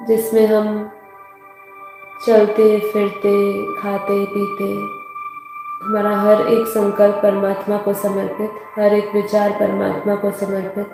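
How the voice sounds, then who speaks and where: An Indian woman leads a guided meditation in a soothing, very slow delivery. Her pitch stays flat and even, and she often repeats her phrases. The voice is drenched in echo. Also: vocal fry. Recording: heavily echoing voice over soft music.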